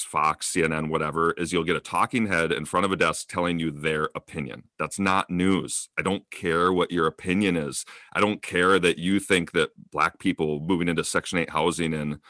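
A man co-hosting a podcast in casual chat, with dry, wry humor and quick asides. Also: low voice, a bit bright, no echo. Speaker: podcast co-host.

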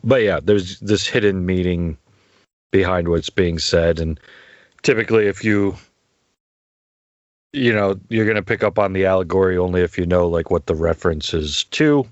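Deep-voiced man, casual podcast host. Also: moderate pace, no echo. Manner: relaxed, rambling with many fillers. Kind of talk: casual chat. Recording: dull lo-fi dry sound.

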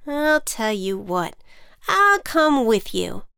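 Woman playing a little male ant, cheeky, coaxing, chummy, high and clear, children's story character. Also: big pitch swings, slow pace, pushed and bright, no echo, clean studio sound, exaggerated voice. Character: small cheeky, persuasive, encouraging male ant.

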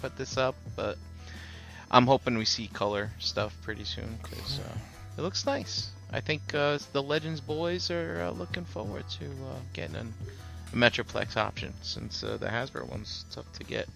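A man's voice: medium pitch, normal speed, gravelly, a bit bright, soft background music. A man hosting a casual collector podcast, talking loosely through toy news with fillers and the odd swear. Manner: laid-back, lots of fillers, swears. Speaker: podcast host.

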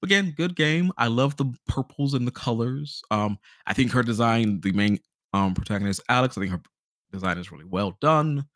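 A man co-hosting a podcast, giving a casual game review in an animated storytelling way, acting out reactions. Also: mid-range voice, normal speed, dry recording, clean studio sound. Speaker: podcast host.

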